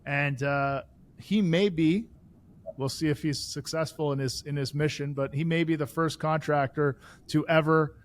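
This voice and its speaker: A man's voice: fairly high pitch, steady tone, moderate pace. A man hosting a podcast, interviewing in a conversational style. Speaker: podcast host.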